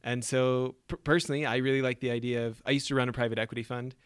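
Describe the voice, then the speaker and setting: Man, podcast host, casual interviewer, smooth resonant voice, dry sound. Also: mid-range voice, flat delivery, fast talker, dry recording. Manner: casual, filler-heavy questions. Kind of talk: interview conversation.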